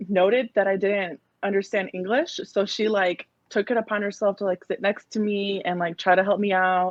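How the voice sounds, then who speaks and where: A woman with a Spanish accent, medium in pitch, at a moderate pace. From Mexico. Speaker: social media content creator. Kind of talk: casual chat.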